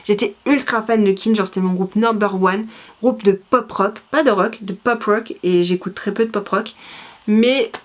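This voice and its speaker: A woman's voice: medium pitch, normal speed. A woman vlogger, chatting casually and rambling with many fillers and self-corrections. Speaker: vlogger presenting her CD collection. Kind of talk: casual chat.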